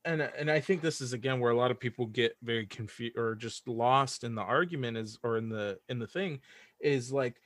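A man's voice: mid-range voice, brisk, dry recording. A man speaking as a podcast guest, casually and earnestly giving opinions and repeating phrases for emphasis.

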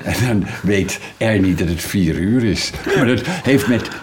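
A man's voice: fairly low pitch, expressive, a little slow, background noise. Casting: oudere man als gast, vrij lage stem, aarzelend met veel 'eh'. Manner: hesitant, many fillers, acts out voices in passing. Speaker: guest, voice actor. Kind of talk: relaxed interview conversation.

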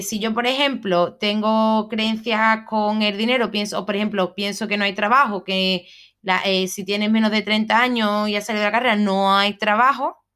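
A woman's voice: mid-range voice, a bit bright, clear, resonant tone. A woman from hosting a solo self-help podcast, talking in a reflective way and often checking in with her listeners. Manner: reflective, frequent "¿vale?" checks, some fillers. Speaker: podcast host.

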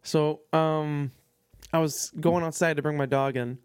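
A man co-hosting a podcast, telling stories in a casual, animated way. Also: a little high, clear, resonant tone, no echo, clean studio sound, faint music behind. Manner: quick, animated storytelling. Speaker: podcast co-host. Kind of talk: casual chat. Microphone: studio podcast mic.

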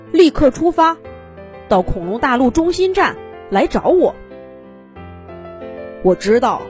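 A commanding dinosaur captain from a children's tale, acted out by a woman. The voice is high and very animated, with formal, rousing emphasis and earnest urgency. Light music runs underneath. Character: earnest, commanding triceratops team captain writing an urgent plea.

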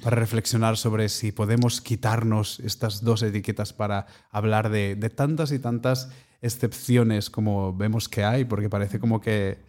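A man's voice: lowish voice, fairly even intonation, moderate pace, darkish tone. A man, a singer and actor guesting on a podcast, speaking thoughtfully and hesitating as he searches for words. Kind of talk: casual conversational interview.

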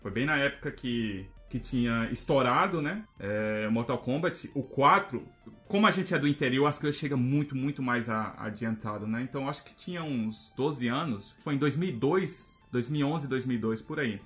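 A man's voice: medium pitch, normal speed, a bit bright, soft background music. A man in his thirties from the interior of Brazil's Northeast, chatting in a rambling way on a casual podcast. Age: 30s. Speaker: podcast co-host.

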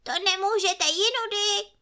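A squeaky, cross little forest imp from a bedtime storybook, as a woman reader puts him on. He scolds in a very high, bright voice that leaps all over the place. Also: lively intonation. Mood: grumbling. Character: grumpy prickly little male forest imp.

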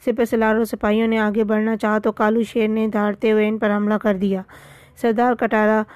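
A woman reading a children's story aloud in a steady way, with small slips. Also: medium pitch, dry recording, clean studio sound.

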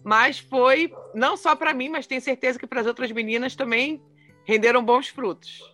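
A woman's voice: high-pitched, steady tone, moderate pace, sharp tone, no room sound, soft background music. A woman hosting an interview podcast, encouraging her guest and talking with frequent fillers. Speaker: podcast host.

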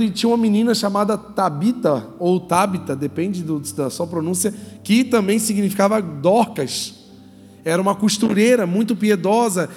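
A Brazilian Portuguese-accented male pastor preaching in a humorous, animated storytelling style, acting out characters in a church hall. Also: high-pitched. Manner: humorous, animated, acts out voices. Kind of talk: sermon told as lively storytelling. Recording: reverberant hall, faint music.

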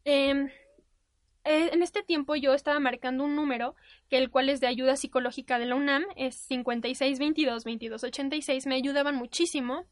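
A young woman with a Mexican accent telling a personal story to an audience in a candid, animated way. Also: high-pitched, fairly quick, no room sound, clean studio sound.

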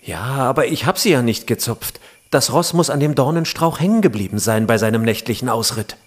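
An actor playing a young, devoted would-be warrior in an audio drama. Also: male voice, medium pitch, animated, brisk, close to an everyday voice. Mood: tender, awed. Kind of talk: German audio drama acting.

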